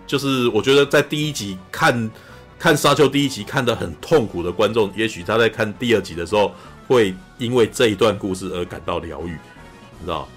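A man from Taiwan, co-hosting a podcast and chatting casually about a film, animated, acting out scenes and often saying "you know". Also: lowish voice, fairly quick, soft background music. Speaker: podcast co-host. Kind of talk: casual film review chat.

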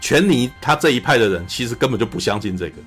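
A man from Taiwan, co-hosting a podcast and chatting casually about a film, animated, acting out scenes and often saying "you know". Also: mid-range voice, fast, soft background music. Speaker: podcast co-host. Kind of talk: casual film review chat.

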